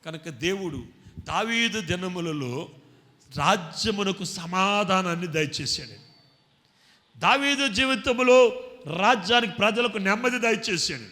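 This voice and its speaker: A man preaching a sermon, constantly quizzing his congregation and urging them to answer loudly. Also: high voice, lively intonation, a little slow, pauses often. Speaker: pastor. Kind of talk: Telugu sermon with call-and-response questions. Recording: long reverb from a hall.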